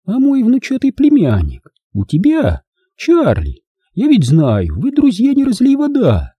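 A man's voice: very high-pitched, wildly swooping pitch, normal speed, no echo, highs cut off, pitched above the performer's own voice, exaggerated voice. A man voicing a scheming middle-aged aunt with a syrupy, sticky-sweet voice. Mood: sickly sweet. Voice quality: syrupy sweet, turning cold.

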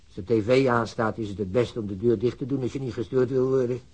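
A man's voice: mid-range voice, fairly even intonation, quick pace, warm tone, husky, close to an everyday voice, rough recording. An actor playing an old working-class father, plain-spoken, weary and loyal to his son, in a naturalistic radio drama. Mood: guarded. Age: older.

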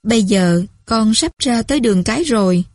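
A woman's voice: on the high side, animated, moderate pace, darkish tone, dry recording, studio quality. A woman voicing a drunk, frightened teenage girl on the phone to her mother, slurring and stammering as she pleads. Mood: slurred, frightened.

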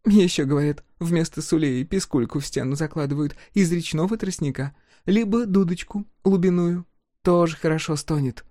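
A man doing a sharp-tongued peasant woman. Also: on the high side, no room sound, studio quality, pitched above the performer's own voice, close to an everyday voice. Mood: scheming. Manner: brisk scolding whisper.

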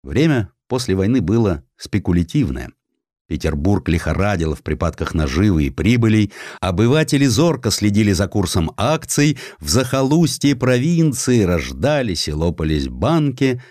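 A man's voice: lowish voice, sing-song, moderate pace, darkish tone, dry recording, studio quality. A man narrating a satirical historical story as an audiobook, in a theatrical, ironic storytelling manner.

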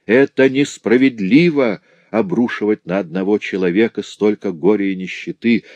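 A man's voice: lowish voice, normal speed, a little mellow, no echo, highs cut off, close to an everyday voice. A man reading a novel aloud, voicing a poor, overworked jeweler in a despairing, pleading tone.

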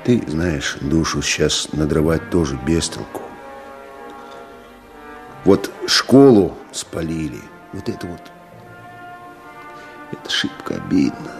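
An actor playing a wounded, stoic, good-natured village man in a radio play, with a folksy, laconic, halting manner. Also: very deep voice, expressive, creaky, faint music behind, heavily acted. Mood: consoling, rueful.

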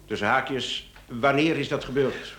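A man's voice: medium pitch, measured pace, a bit bright, natural voice. A Flemish man acting in a radio play as a probing, no-nonsense police inspector, terse, dry and insistent. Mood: stern, pressing. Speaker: radio drama actor. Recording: roomy, echoing radio drama studio.

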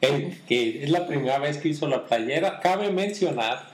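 A man's voice: fairly high pitch, lively intonation, normal speed, background noise. A man co-hosting a casual podcast, good-humored and laughing off teasing. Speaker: podcast co-host. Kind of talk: casual chat. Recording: echoey room.

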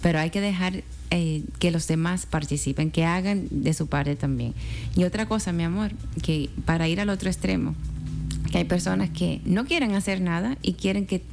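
A woman co-host speaks gently and affectionately as she gives advice in a slightly low voice. She often turns to others with a question. Faint music plays behind her. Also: normal speed, gravelly. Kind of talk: casual faith talk.

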